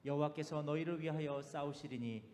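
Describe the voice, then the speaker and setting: A man reading scripture aloud in a slow, measured way. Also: fairly high pitch, fairly even intonation, a little mellow, in a large hall, slight background noise.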